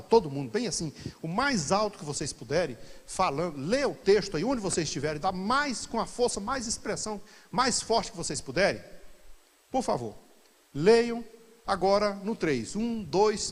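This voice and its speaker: A pastor leading a Bible study sermon to a congregation, swinging from quiet asides to loud, animated exclamations. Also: male voice, a little high, in a large hall.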